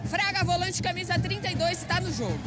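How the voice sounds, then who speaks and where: Brazilian guy doing live touchline reports on radio, super high voice, stadium crowd roaring. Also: a little fast. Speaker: pitchside football reporter. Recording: stadium crowd noise, loud music bed.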